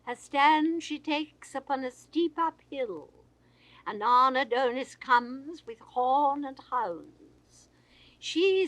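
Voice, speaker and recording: An older woman giving a grand, theatrical reading of classical verse, swelling and then dropping to a hush. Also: high voice, dry recording, poor audio. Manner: grand theatrical delivery with sweeping swells and hushed falls. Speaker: poetry reader. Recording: dry 1960s studio recording.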